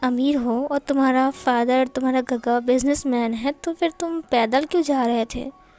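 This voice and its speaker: A woman voicing a calm, friendly young man who loves math in an amateur fan-fiction reading, easygoing and inviting. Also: sits high, normal speed, soft background music, lightly acted.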